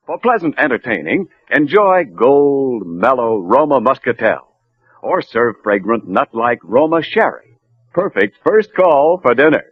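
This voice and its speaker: A man announcing a wine commercial in smooth, persuasive 1940s radio style. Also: sing-song, a little slow, no echo. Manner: smooth, persuasive pitchman delivery. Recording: dull, dry old radio broadcast.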